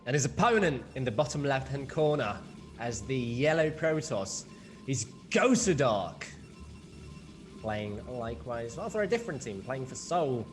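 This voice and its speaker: Male color commentator, calm and analytical, mid-pitched, light music behind him. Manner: measured, analytical, with "you know" fillers. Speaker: esports co-caster. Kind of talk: live game commentary.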